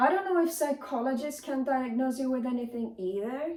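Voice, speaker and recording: With lively intonation and a Swedish accent, a woman speaks at a high pitch and a moderate pace. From Sweden. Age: 20s. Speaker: vlogger. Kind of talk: casual vlog monologue. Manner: stumbling on words.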